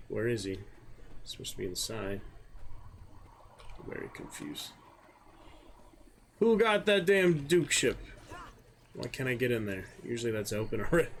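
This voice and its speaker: A man giving casual, low-key gameplay commentary, musing to himself over game sounds. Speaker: gamer commentating own gameplay. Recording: clear game noise behind voice. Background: video game sounds.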